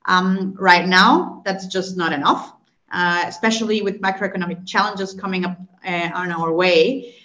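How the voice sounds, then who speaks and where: A woman's voice: fairly low pitch, steady tone, normal speed, bright, forceful tone, muffled recording. Colombian-born woman, echoey call audio. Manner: fluent, explanatory, frequent "right?" and "um" fillers. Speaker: guest, consulting executive. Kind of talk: podcast interview answers.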